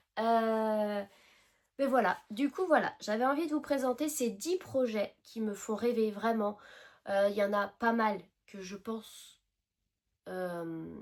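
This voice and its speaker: A woman speaks at a very slow pace, stopping often for long pauses. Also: ordinary pitch variation. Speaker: cross-stitch YouTuber. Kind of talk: casual vlog talk to camera. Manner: hesitant with many fillers.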